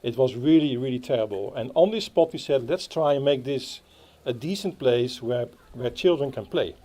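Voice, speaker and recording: A man with a Dutch accent giving a halting speech at a playground opening, with many fillers and restarts. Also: medium pitch, mellow. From Netherlands. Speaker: Rotary club speaker. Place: outdoor playground.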